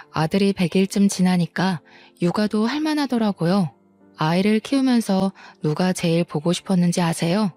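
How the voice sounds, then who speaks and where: A young woman narrating a first-person story in a calm, steady way. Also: mid-range voice.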